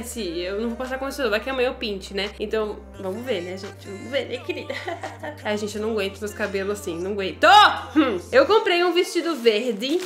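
Woman from brazil, high voice, chatty vlogger, talks straight to viewers, faint music behind. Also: fairly bright tone. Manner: chatty, keeps asking the viewers "right?". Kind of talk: casual chat. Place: home in Italy, indoors.

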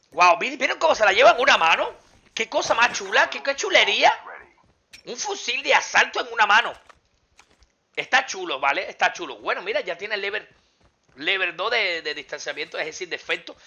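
A high-pitched man with a bright, sharp voice. He runs excited gameplay commentary, shouting at enemies and talking straight to his viewers. A faint hiss sits under his voice. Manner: exclamatory, talks to viewers and enemies while playing. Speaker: mobile game streamer.

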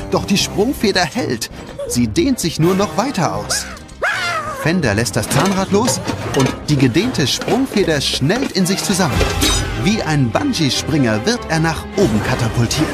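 A man narrating a children's audio story in a dramatic, scripted storytelling style. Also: on the high side. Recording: loud background music.

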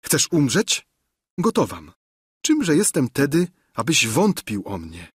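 A man reading aloud the impassioned, pleading lines of a despairing young woman in love, in a husky voice. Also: medium pitch, wildly swooping pitch, takes it slowly, no echo, clean studio sound, heavily acted. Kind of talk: audiobook reading of a classic novel.

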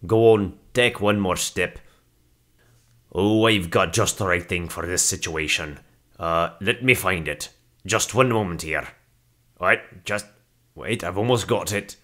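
A man in his thirties voicing a grumpy, stubborn dwarf with a gruff, grumbling manner in a character demo. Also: deep voice, measured pace, a bit bright. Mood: threatening.

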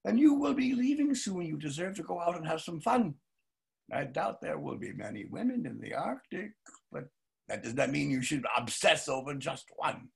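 A worldly older-brother nobleman, acted by an older man in a stage play. The voice is very raspy and creaky, a bit high-set, teasing and paternal. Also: big pitch swings, moderate pace, heavily acted. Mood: amused lecturing. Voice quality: gravelly, husky. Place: home study, video call.

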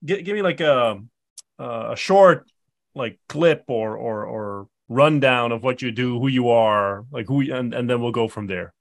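A man's voice: mid-range voice, a little slow, gravelly, dry recording, studio quality. A man in his thirties hosting a casual interview, talking loosely with lots of fillers and restarts. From Netherlands. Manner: loose, hesitant, many likes and restarts. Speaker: podcast host. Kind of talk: casual video call interview. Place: dark home studio. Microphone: studio mic on boom.

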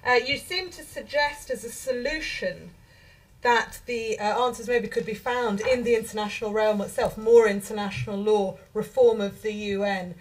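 A woman's voice: fairly high pitch, normal speed, poor audio. A woman chairing a panel debate, asking probing questions in a polite, hesitant way with many restarts. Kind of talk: moderating a panel. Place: conference hall.

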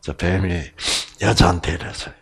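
A man's voice: low voice, fairly even intonation, moderate pace, slightly rough. A man giving a Bible lecture to an audience, often posing rhetorical questions.

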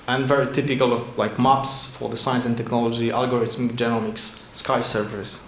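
A man giving a slide talk at a conference from a podium, in halting with frequent fillers and restarts. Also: mid-range voice, level tone, a little hiss or hum. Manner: halting non-native English with many fillers and restarts. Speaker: conference presenter. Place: large indoor conference hall. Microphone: lectern microphone at a podium. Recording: echoey hall with faint ambience.

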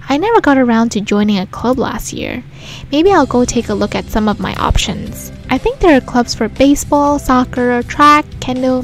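Woman, higher-pitched voice, let's play host, casual commentary, reading game text aloud, music behind.

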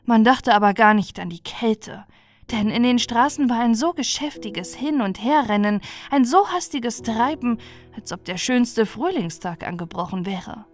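Woman storyteller, fairly high voice. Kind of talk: fairy-tale narration for bedtime listening. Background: music.

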